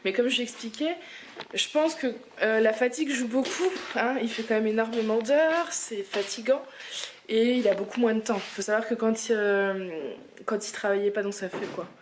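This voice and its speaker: A woman's voice: a little high, normal speed, slight background noise. A young mother chatting casually to the camera at home in a family vlog, talking through her day and switching to a sing-song voice for her toddler.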